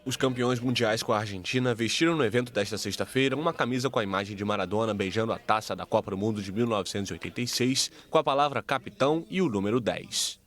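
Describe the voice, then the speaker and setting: A man's voice: lowish voice, fast talker, hardly any pauses, a bit bright. A man voicing a TV news report and dubbing the interview quotes.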